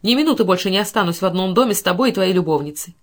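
A furious, wounded wife, played by a woman reading a novel aloud. Her voice climbs high and goes shrill and bitter as her anger grows. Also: expressive, quick pace.

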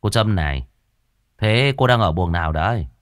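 Guy doing a stern exorcist master, firm and brisk, lowish voice, lively delivery. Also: dry recording, clean studio sound.

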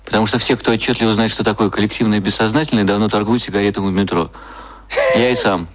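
A male actor in a radio drama playing a hungover, cynical advertising copywriter, terse and deadpan. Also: lowish voice, fast talker, natural voice. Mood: dryly confident.

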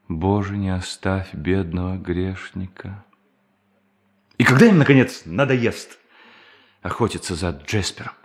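An actor playing a bitter, lonely bank thief in hiding, in a theatrical radio play monologue that moves between muttering and solemn declamation. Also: male voice, low-pitched, slightly rough, full character voice. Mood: solemn yearning, then scornful. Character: brooding fugitive bank thief, bitter, lonely, self-tormenting man.

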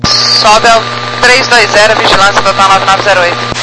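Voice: mid-range voice, fairly even intonation, normal speed. A pilot with a Brazilian Portuguese accent, heard over an aircraft radio, giving clipped, formulaic readbacks in an air traffic exchange. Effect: distant voice over an aircraft radio. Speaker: airline pilot. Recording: noisy, hissy radio channel.

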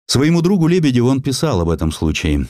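A man reading a historical essay as an audiobook narrator, in an expressive, scripted literary style. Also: mid-range voice, quick pace, no room sound, clean studio sound.

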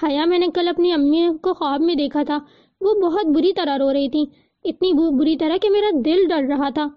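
A woman voicing a homesick, tearful young woman student who speaks softly and sorrowfully. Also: high-pitched, dry recording, muffled recording, close to an everyday voice.

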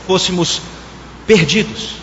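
A man's voice: high-pitched, takes it slowly, a bit bright, slight background noise. A man preaching a sermon, telling a story and speaking straight to the congregation. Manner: storytelling preacher who addresses the congregation directly. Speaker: pastor. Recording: echoey hall, dull lo-fi sound.

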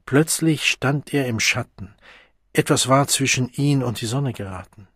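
A man narrating an audiobook in a measured, dramatic way, recorded close on a studio mic. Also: mid-range voice, fairly bright tone, breathy edge, no room sound.

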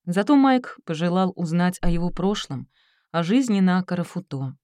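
A woman's voice: lowish voice, expressive, normal speed, darkish tone, no echo, clean studio sound. A woman reading a novel aloud as an audiobook narrator, voicing the characters' dialogue herself. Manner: reads all characters' dialogue herself with small shifts. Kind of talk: scripted narration.

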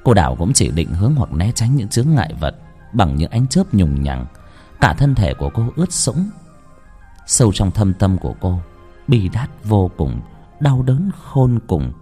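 A man narrating a horror story in a slow, drawn-out, dramatic manner. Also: on the low side, sing-song, mellow, husky, in a large hall, soft background music.

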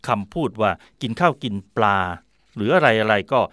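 A man's voice: on the low side, lively intonation, moderate pace, fairly bright tone, no room sound, studio quality. A man hosting a casual talk on history and language, explaining with examples in a chatty way. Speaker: radio host.

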